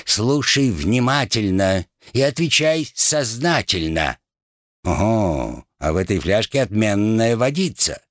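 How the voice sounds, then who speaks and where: A man's voice: lowish voice, big pitch swings, slow pace, no echo, studio quality. A man doing a drawling aristocratic captain. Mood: haughty. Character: aristocratic haughty female pirate captain.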